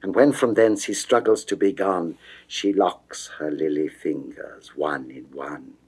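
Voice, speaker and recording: Slow, theatrical male verse narrator. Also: deep voice, steady tone, darkish tone, husky. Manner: theatrical, declamatory, precisely phrased. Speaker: narrator, reader of poetry. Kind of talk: dramatic classical verse recitation.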